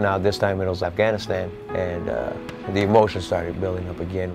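Clear music plays in the background. Over it, a man speaks with a very deep, low pitch. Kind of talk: interview answer. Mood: reflective, somber. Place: office.

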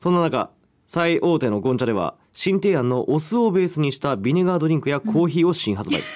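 A man's unremarkable speaking voice, fairly high in pitch, at a fairly quick pace, with lively intonation and very even loudness. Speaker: voice actor, radio host. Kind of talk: radio program intro and news reading.

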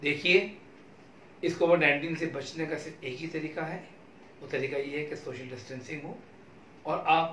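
A man at a fairly slow pace with ordinary pitch variation, audible room echo and light background noise. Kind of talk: health explainer talk. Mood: calm, earnest, advising.

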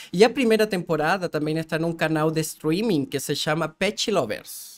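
With a Chilean accent, a man speaks at a moderate pace and a high pitch against a quiet background. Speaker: pet groomer and reality show creator. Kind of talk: interview. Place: studio. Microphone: studio mic.

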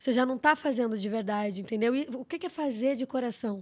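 A woman speaks at a moderate pace in a high voice. The background is quiet. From Brazil, Osasco (São Paulo); Brazil. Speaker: influencer and entrepreneur; influencer. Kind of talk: casual chat. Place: studio. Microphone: studio mic.

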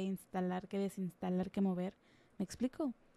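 A woman's dark, mellow tone. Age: 20s. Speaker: singer and video editor; podcast guest. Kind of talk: casual chat. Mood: cheerful, relaxed. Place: studio. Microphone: studio mic.

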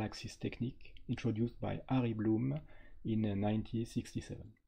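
The voice sounds somewhat breathy. It moves at a moderate pace. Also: man. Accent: strong French. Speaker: computer science researcher. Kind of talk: technical conference talk.

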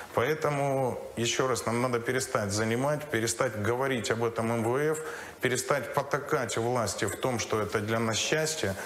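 Medium-pitched male voice with fairly even intonation and a moderate pace, plus audible room echo and noticeable background noise. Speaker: politician. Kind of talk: political speech.

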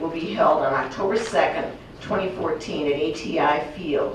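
A woman's fairly low voice with audible room echo and light background noise. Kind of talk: formal reading of a resolution. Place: meeting room.

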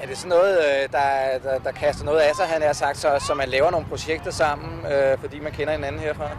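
Noticeable background noise surrounds a man speaking at a fairly quick pace. His intonation is monotone and flat, and the sound is dry with no echo. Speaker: local TV presenter. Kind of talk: on-location interview. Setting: outdoors. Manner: hesitant, many fillers. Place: open country. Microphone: handheld.

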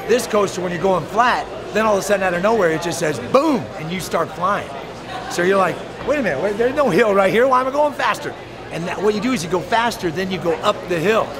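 Noticeable noise fills the background. Over it, a man talks very fast. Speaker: radio host. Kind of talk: excited casual interview answer. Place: station. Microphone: lapel.

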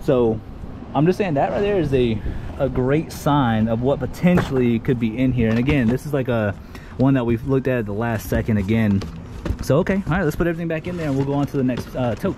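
Amid noticeable background noise, a man talks at a very fast pace in a dry sound with no echo. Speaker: storage unit reseller. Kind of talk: casual vlog commentary. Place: street. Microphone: phone near.

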